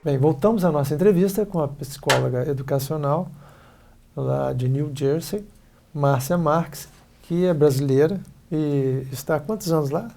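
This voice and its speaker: A TV interview host with a gravelly, dark, mellow voice. The host asks measured questions and often adds soft prompts to keep the guest talking. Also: medium pitch.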